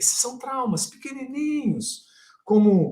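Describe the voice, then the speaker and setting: A man's very slow delivery with very wide pitch swings. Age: 60s. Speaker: psychoanalyst therapist. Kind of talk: live talk on emotional healing. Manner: conversational, informal.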